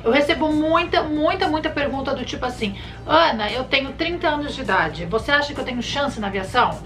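A woman in her thirties from Brazil, a flight attendant giving casual advice to camera with lively gestures, recorded in a bedroom. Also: high voice, a little fast, faint music behind. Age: 30s. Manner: chatty, animated hand gestures, addresses viewers warmly by nicknames. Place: bedroom, indoors. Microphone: camera in front at chest framing.

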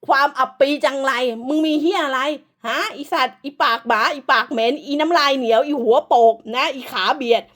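A woman's voice: high voice, brisk, few pauses, a bit bright. A woman delivering an angry, profane, scolding rant as an online commentator, hurling insults throughout.

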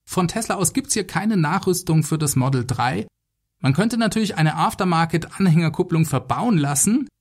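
A man's voice: on the high side, lively intonation, normal speed, husky. A man hosting a solo podcast, giving semi-scripted commentary in a conversational way, speaking directly to his listeners. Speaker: podcast host.

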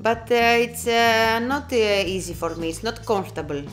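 A woman from Greece with a loud, carrying voice. She chats in halting English with lots of pauses and fillers, and faint music plays somewhere behind her. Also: a little high. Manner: loud voice, hesitant non-native English with many fillers. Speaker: co-presenter. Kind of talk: casual chat at a motor show. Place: busy indoor motorcycle exhibition hall. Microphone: clip-on mic worn by co-presenter.

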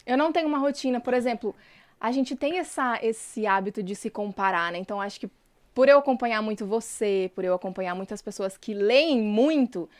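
Young woman chatting on a podcast, kinda high voice, lots of restarts. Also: fairly quick, no room sound. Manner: chatty, hesitant restarts, bursts of excitement. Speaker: guest. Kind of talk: casual podcast chat.

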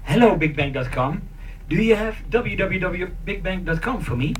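Male demo participant, high-ish voice, deliberate and theatrical, far from the mic with faint noise. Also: animated. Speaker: participant acting in a staged demonstration. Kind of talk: improvised didactic role-play to an audience. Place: conference meeting room. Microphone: handheld mic, picked up by far camera. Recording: distant, noisy room camera pickup.

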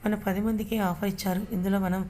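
A woman voicing a playful, teasing young man in a spoken story, with a mellow, even voice. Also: mid-range voice, a little fast, slight background noise, lightly acted. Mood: coaxing. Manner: teasing, affectionate.

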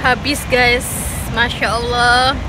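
A woman's voice: a little high, level tone, slow pace. A woman reviewing street food in a casual vlog, chatting and humming as she tastes with her mouth full. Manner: chatty, tasting and reacting with hums. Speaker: food vlogger. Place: outdoors by a street. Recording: street traffic noise outdoors. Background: street traffic.

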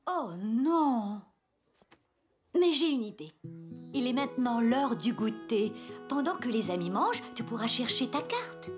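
A woman's voice: a little high, very animated, measured pace, music in the background. A woman voicing a kind, encouraging daycare teacher talking to small children in a cartoon. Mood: helpful, reassuring.

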